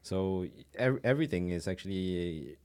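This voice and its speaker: A man's voice: low voice, animated, normal speed, a little mellow, smooth. A man from Singapore, a podcast guest, talking hesitantly with many fillers. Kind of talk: conversational interview.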